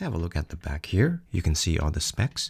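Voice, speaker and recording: A man's somewhat breathy voice comes through in a very clean recording with a silent background. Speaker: tech reviewer and math tutor. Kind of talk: product review. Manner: calm, understated.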